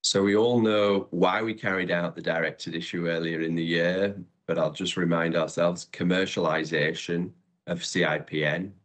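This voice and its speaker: A man presenting company results as chief executive on an earnings call, in a measured, businesslike and upbeat way. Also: low-pitched, steady tone, fairly bright tone.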